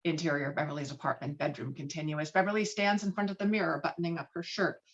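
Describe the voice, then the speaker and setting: A woman's voice: low voice, fairly even intonation, fast, lo-fi sound. A woman narrating screenplay stage directions with a dramatic, emphatic read on a video call.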